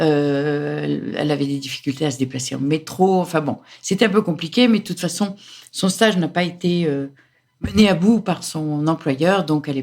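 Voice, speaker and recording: With lively intonation and a moderate pace, a woman speaks at a very deep, low pitch. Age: 60s. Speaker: retiree hosting students. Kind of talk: interview. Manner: hesitant, many fillers.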